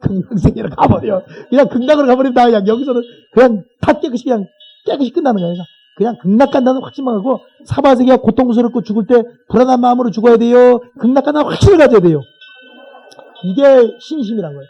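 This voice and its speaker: A man's voice: extremely high pitch, expressive, fast, mellow, slightly rough. A man, a Buddhist monk, giving a colloquial sutra lecture to a class and often checking in with his listeners. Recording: dull lo-fi recording.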